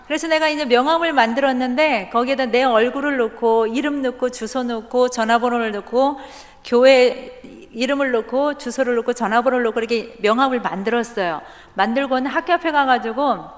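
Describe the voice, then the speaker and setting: A woman deaconess giving a testimony at a church service, telling her story in a lively way and acting out the dialogue. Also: a little high. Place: church sanctuary. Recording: church hall reverb.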